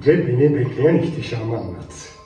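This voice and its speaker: Man voicing Lord Shen, pompous villain peacock, mellow, swooping. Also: mid-range voice, sing-song, lightly acted. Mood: menacing, commanding. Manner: pompous, theatrical, slow and measured. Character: villainous male peacock lord, haughty, vain, ambitious. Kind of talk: animated film dubbing. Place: recording booth heard from the control room. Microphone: studio condenser, captured by a distant camera. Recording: roomy studio monitor playback, distant mic, music.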